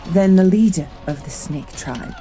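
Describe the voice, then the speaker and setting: A woman plays a wise, grave tribal leader from a fantasy radio play. The voice is low and mellow, delivered very slowly and dramatically, with faint music underneath. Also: lively intonation, close to an everyday voice. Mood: grave, ominous. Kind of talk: fan fantasy audio drama acting.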